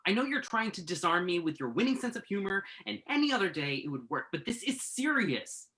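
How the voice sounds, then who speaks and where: A man's voice: sits high, sing-song, fairly quick, sharp tone, heavily acted. A man playing an exasperated, principled young journalist in a staged play reading, protesting with wry sarcasm in natural dialogue. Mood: indignant.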